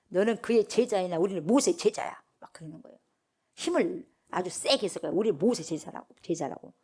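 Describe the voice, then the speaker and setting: A middle-aged woman preaches at an early-morning prayer service. She drives her points home by repeating key words. She keeps turning to the congregation with questions, and her voice sits in an ordinary middle range. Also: medium pitch. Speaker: pastor.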